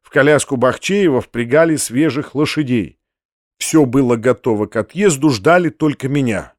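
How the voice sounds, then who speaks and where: A man reading a classic novel aloud in steady, expressive scripted narration. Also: mid-range voice, normal speed, dry recording, clean studio sound. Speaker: audiobook narrator.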